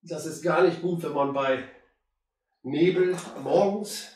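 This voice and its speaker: A hoarse man in his fifties with a cold, chatting casually to viewers as he works on a plant. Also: a little high, slow, far from the mic. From Germany. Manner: relaxed, chatty, addresses viewers directly. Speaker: bonsai hobbyist. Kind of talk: casual how-to commentary while working. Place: indoor room with curtain backdrop. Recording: very echoey room, voice off-mic.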